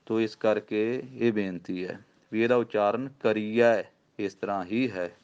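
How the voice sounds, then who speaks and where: A man teaches scripture recitation, slowly spelling out each syllable. His voice is low, smooth and resonant. The recording sounds dull and lo-fi. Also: a little mellow. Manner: patient, slow spelled-out recitation. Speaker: Gurbani pronunciation teacher. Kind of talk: recitation lesson.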